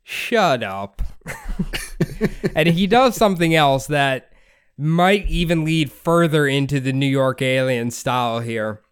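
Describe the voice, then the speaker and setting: A man's voice: on the high side, slow, clean tone. A man hosting a podcast, telling a story in a laid-back, casual way, swearing and laughing often. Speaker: podcast host.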